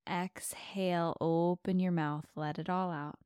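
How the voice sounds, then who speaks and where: A woman with a slightly low, smooth voice guides a mindfulness practice. She speaks softly and gently, leaving space between soothing instructions. The sound is clean and dry, close and clear. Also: steady tone, dry recording. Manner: gentle, slow, spacious instructions with long pauses. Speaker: meditation podcast host and guide. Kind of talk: soft, soothing guided meditation.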